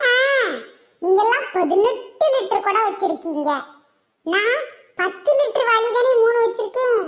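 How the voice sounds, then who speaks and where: A woman does a cartoonish, squeaky character voice at an extremely high pitch with lively intonation. She goes at a fairly slow pace, keeping her loudness very even. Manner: sassy, argumentative.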